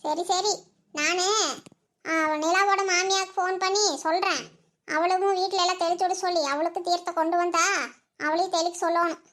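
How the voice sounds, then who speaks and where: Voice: very high-pitched, little pitch movement, a little fast, a bit bright. A voice actor playing a bossy, scolding old village mother-in-law in a cartoon. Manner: scolding, nagging. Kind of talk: cartoon voice acting.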